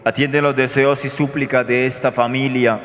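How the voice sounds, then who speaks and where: A priest prays aloud as he celebrates Mass, reciting the liturgy in a measured, solemn monotone at medium pitch. The church is echoey, and his words ring out with a long reverb.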